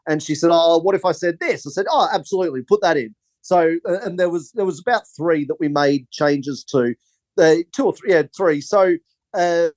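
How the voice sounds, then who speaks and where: A man's voice: on the high side, a little mellow, dry recording. A man, a film director, rambling through anecdotes in a casual interview and laughing often.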